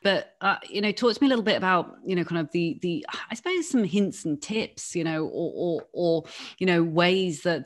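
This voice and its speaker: A young woman hosting a podcast over a video call on a headset, asking long questions full of fillers. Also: on the low side. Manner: rambling, hesitant questions with many fillers. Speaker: podcast host.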